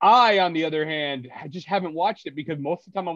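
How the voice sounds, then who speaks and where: A man speaks very quickly with an American accent. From US Northeast, North Jersey. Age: 40s. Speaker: film festival founder. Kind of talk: casual interview chat.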